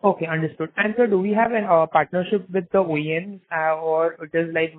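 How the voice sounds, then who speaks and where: A man's voice: fairly high pitch, steady tone, brisk. A man on a conference call asks questions over the phone, politely calling the others sir. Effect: heard over the phone. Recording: tinny dry phone line.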